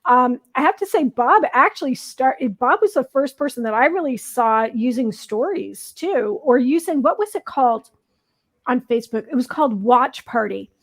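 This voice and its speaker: Woman, high-pitched voice, talk show co-host, casual discussion, conversational explanatory delivery. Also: animated, moderate pace.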